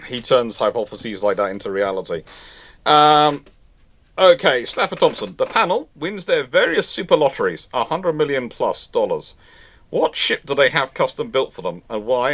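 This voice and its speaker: A man hosts a live, unscripted discussion. His voice is bright and moves animatedly up and down in pitch. He often halts and rewords his point mid-flow. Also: lively intonation, moderate pace. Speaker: host of a live question panel.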